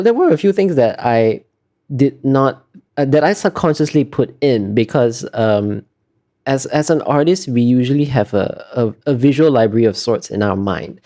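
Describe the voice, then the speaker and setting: Man, mid-pitched, soft dark tone, casual interview talk, hesitant and self-correcting. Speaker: concept artist being interviewed.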